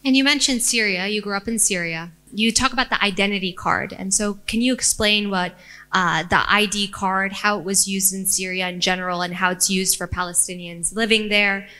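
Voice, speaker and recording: A woman interviewing a guest, asking measured, prepared questions. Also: medium pitch, fairly even intonation, pushed and bright.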